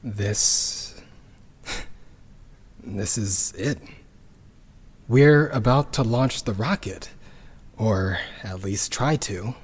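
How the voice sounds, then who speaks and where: A man playing a grieving, weary rocket builder in a sci-fi audio drama, with a husky voice and a halting, subdued, confessional delivery. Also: on the low side, exaggerated voice. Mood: somber, wry. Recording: long reverberant hall echo.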